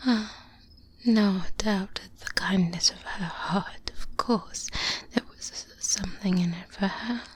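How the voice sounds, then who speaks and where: A woman playing a seasoned, secretive vampire hunter in an ASMR roleplay, in a hushed, breathy whisper with many pauses, close to the microphone. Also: medium pitch. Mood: wry, confiding. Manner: slow, hushed, confiding, pausing often. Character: seasoned female vampire hunter mentor, secretive, wry, pragmatic. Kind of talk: soft-spoken ASMR roleplay. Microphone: close binaural microphone. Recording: close-up binaural mic, light background noise.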